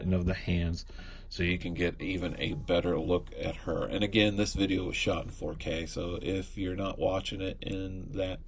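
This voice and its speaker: A man's voice: low-pitched, gravelly, a little hiss or hum. A man reviewing a collectible figure in a laid-back, rambling way, sounding congested from a cold. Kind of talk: casual unboxing review.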